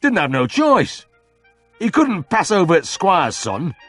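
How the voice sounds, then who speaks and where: A man voicing a grumbling older male drinker, gruff and disgusted. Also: high voice, huge pitch swings, measured pace, a bit bright, faint music behind, pitched above the performer's own voice, heavily acted. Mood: disgruntled. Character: grumbling old Yorkshire drinker, gloomy.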